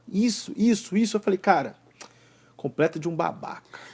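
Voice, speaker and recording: This man talks with ordinary pitch variation. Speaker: podcast host. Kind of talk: casual interview.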